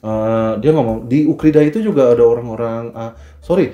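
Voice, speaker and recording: A man co-hosting a casual film review chat, talking in a relaxed, slangy way. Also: medium pitch, fairly quick, lo-fi sound. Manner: relaxed, chatty slang-filled talk. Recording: roomy echo, faint music behind.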